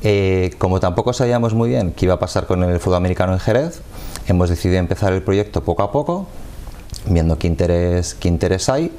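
A man, a football coach explaining his sport in a measured way during a TV studio interview on a lapel mic. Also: deep voice, dark tone. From Madrid, Spain. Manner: measured, explanatory, gestures with hands.

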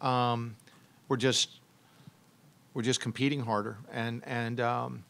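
The voice belongs to a middle-aged head basketball coach: mid-range, creaky, fairly bright, with little pitch movement. At a press room table in front of a logo backdrop, he answers postgame questions into a table mic on a stand, pausing thoughtfully and restarting often amid frequent ums.

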